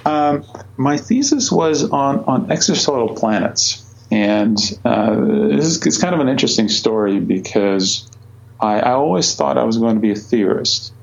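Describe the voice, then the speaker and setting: A Croatian astronomer in his forties, appearing as a guest, answers interview questions about his career hesitantly, full of fillers and restarts. His mid-range voice is gravelly and animated at a moderate pace, and the sound is lo-fi.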